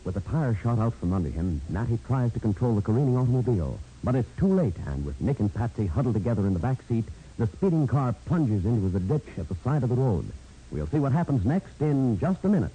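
A man's voice: medium pitch, sing-song, fast, warm tone, slight background noise, rough recording. A male announcer giving dramatic scripted narration in the style of 1940s radio. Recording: vintage radio broadcast with music behind. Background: music.

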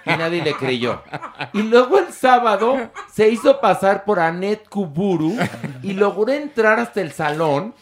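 A man's voice: high-pitched, lively intonation, unhurried. A man co-hosting a podcast, retelling gossip with teasing and laughter. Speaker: podcast co-host. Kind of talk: joking gossip chat.

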